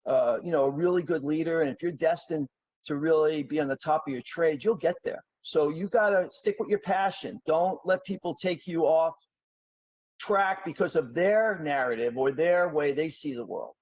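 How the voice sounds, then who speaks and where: A man's voice: on the high side, moderate pace, darkish tone, lo-fi sound. A middle-aged man from New York City, a podcast guest who tells long stories in a rambling, talkative way, full of fillers and restarts. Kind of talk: casual interview storytelling.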